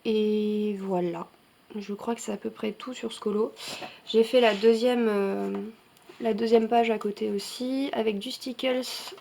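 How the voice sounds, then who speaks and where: A woman with a slightly high voice chats through her finished coloring pages in a relaxed show-and-tell vlog. She talks loosely, full of little fillers and quick self-corrections as she goes. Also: creaky, a little hiss or hum. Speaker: coloring channel host.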